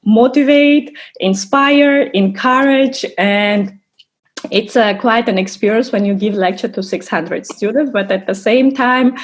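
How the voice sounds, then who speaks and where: A woman's voice: a little high, unhurried. A woman in her thirties from Armenia, raised in Russia, presenting a course overview as an assistant professor over a video call, explaining carefully with frequent restarts. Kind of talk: online lecture presentation.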